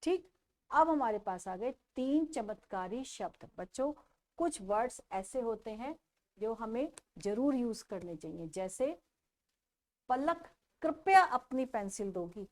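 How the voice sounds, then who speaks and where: A woman's voice: a little high, lively intonation, darkish tone. A patient woman teaching young children. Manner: repeats questions and answers slowly for young children. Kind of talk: explaining a children's textbook lesson.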